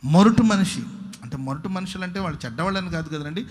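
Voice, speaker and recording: A man's voice: high voice, lively intonation, quick pace. A man preaching a sermon, talking emphatically and repeating phrases, with call-and-response to the congregation.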